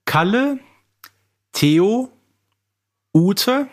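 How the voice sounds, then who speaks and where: A man's voice: high voice, expressive, drawn-out words. A man answering and chatting casually as a contestant on a quiz podcast, playfully sure of himself.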